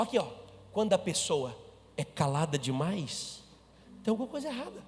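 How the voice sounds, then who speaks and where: A man preaching a sermon as a pastor, emphatic and calling the congregation to repeat and shout. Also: high voice, big-room sound.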